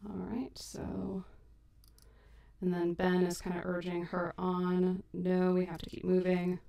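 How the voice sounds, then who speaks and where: Picked up from afar by an echoey stream mic, this woman's voice is lowish, monotone, gravelly and mellow, and a bit slow. She creates and hosts audio dramas, and here she runs a casual editing stream, chatty and self-deprecating with frequent laughter.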